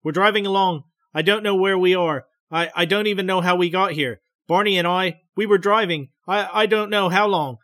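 A man voicing a frightened woman who relives a memory under hypnosis, speaking between sobs in a halting, stammering, breathless way. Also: high voice, fairly bright tone, dry recording, clean studio sound, pitched above the performer's own voice. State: sobbing.

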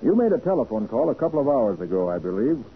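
An actor playing a shrewd, commanding American private detective, measured and probing, in a 1940s radio crime drama. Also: male voice, medium pitch, sing-song. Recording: muffled noisy 1940s radio recording.

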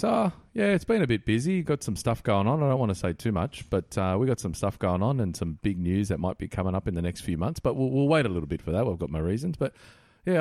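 Blokey Australian man with a very lively pitch. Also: creaky, dry recording, clean studio sound. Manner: blokey, matey, sweary. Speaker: podcast host. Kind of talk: casual banter and questions.

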